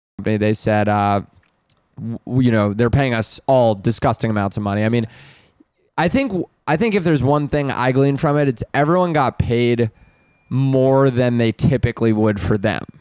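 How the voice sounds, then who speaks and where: A normal speaking voice belongs to this man, at medium pitch with ordinary variation. He keeps a moderate pace and very even loudness. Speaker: podcast host. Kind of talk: casual comedy banter. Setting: studio. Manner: joking, riffing.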